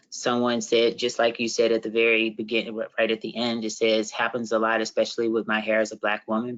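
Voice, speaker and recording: Flat-voiced man reading comments on a call. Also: lowish voice, dull audio. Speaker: co-facilitator.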